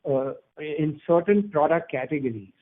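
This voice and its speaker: A man's voice: fairly high pitch, moderate pace. Businessman on a muffled phone line. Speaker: company executive answering analysts. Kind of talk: earnings call question and answer. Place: conference phone call.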